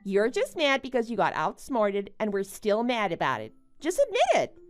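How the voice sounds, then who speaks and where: Casting: actress as smug bride-to-be for animated story drama, high and very animated, gloating and condescending. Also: female voice, moderate pace, soft background music. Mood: gloating, taunting. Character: smug, boastful young bride who taunts her friend. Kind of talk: melodramatic animated-story voice acting.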